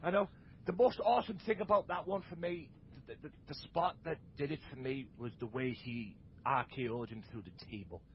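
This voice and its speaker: A man talking as a guest on a casual wrestling podcast, excitable and stumbling over repeated words. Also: medium pitch, fairly quick, lo-fi sound, slight background noise. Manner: excitable, stammers on restarts.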